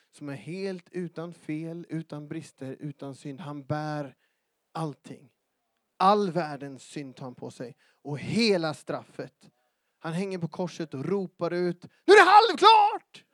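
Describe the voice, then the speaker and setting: High-voiced man preaching lively sermon. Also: no echo. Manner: lively, joking asides, emphatic repetition. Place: church hall.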